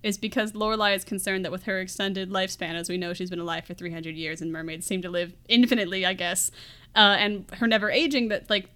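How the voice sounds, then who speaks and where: A woman's voice: medium pitch, fairly even intonation, fast, bright, forceful tone. A woman chatting casually as a podcast co-host, giggly and rambling as she recaps a plot and acts out quoted lines.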